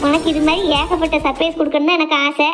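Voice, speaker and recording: A woman's voice: high voice, level tone, fast, loud music behind the voice, natural voice. A woman playing a devoted young adult daughter who coaxes and teases her mother. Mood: earnest. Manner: earnest, coaxing, playful. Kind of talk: family drama skit.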